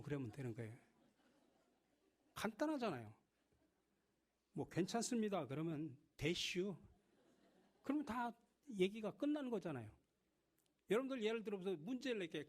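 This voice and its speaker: A middle-aged man from Chungcheong, South Korea, preaching a sermon to his congregation with a lively, humorous, direct manner. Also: on the high side. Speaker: pastor. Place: church.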